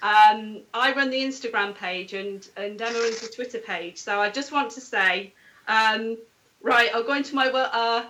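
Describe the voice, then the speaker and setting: A woman's voice: a little high, normal speed, sharp tone, slight background noise, poor audio. A woman contestant on a fan quiz, chatting in a giggly, enthusiastic way. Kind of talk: casual chat.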